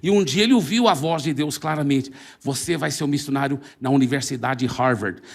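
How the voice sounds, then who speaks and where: A man preaching a sermon with a Brazilian Portuguese accent, telling a story and acting out its dialogue in an animated way. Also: medium pitch, brisk, vocal fry.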